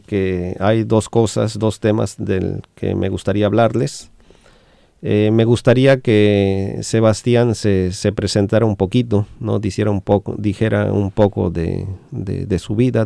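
A man hosting a radio talk, interpreting, halting and full of fillers. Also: lowish voice, vocal fry, dark tone, dry recording. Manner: many fillers and restarts, slow and halting.

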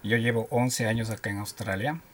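A man from Ecuador with a Quito accent, a radio guest telling animated stories about himself. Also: fairly low pitch, normal speed, slight background noise. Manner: animated storyteller, jokes and laughs often. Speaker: guest, driving instructor. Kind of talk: casual radio interview.

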